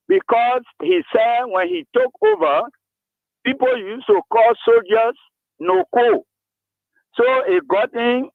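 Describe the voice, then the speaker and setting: A man in his seventies with a Liberian English accent, calling in to a radio talk show and speaking slowly about himself. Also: very high voice, no echo. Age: 70s. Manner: slow, lively rises and falls, gravelly. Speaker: caller. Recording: tinny dry phone line.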